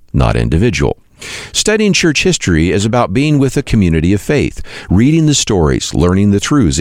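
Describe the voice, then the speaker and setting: Deep-voiced man narrating, lively intonation. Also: no echo, studio quality. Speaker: radio program host. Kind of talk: scripted radio teaching narration.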